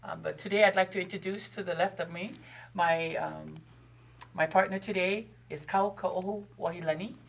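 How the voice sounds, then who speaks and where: A woman moderating a forum, speaking in a gentle, welcoming way and using Hawaiian words. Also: fairly low pitch, fairly even intonation, moderate pace, gravelly. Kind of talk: formal welcome and introductions. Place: TV studio.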